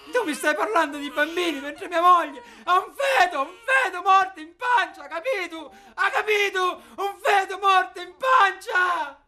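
An actor playing a tense local fixer from Salento, speaking with a Salento accent and breaking into shouts. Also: male voice, high voice, expressive, moderate pace. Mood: shouting anguish. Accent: Salento Italian. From Salento, southern Italy. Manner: tense, edgy, shouting in bursts. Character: desperate rough man, hardened local fixer. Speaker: local safari organizer. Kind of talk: short film acting. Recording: noisy location recording.

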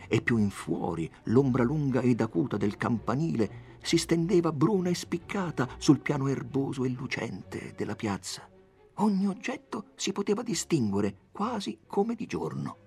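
A man giving a dramatic reading of a classic novel, expressive and animated. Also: breathy edge. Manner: expressive, raises pitch for quoted characters. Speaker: audiobook reader.

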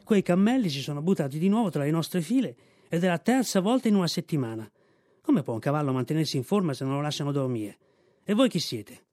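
A man's voice: on the high side, expressive, quick pace, a little mellow, no echo, studio quality, close to an everyday voice. A man doing a proud, huffy cavalry horse. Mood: indignant. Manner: indignant, formal and puffed up.

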